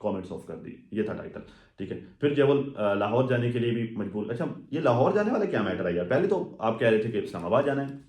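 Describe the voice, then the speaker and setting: A man's voice: medium pitch, sing-song, fast, darkish tone. A man giving casual, rambling commentary on social media gossip, full of fillers and asides. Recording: echoey room.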